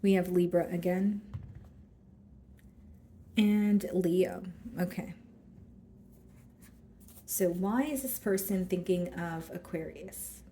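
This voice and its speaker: A woman giving a casual tarot reading with a hoarse, scratchy throat, thinking aloud as she draws cards and talks straight to her viewers. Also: lowish voice, slow pace, pauses often, warm tone, reverberant. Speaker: tarot card reader.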